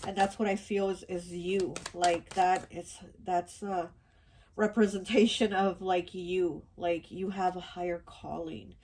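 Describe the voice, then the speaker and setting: Her lowish, a little mellow voice moving unhurriedly with fairly even intonation, a woman rambles through a casual tarot card reading, restarting often and using many fillers. Allergies make her stuffy and nasal. Slight background noise can be heard.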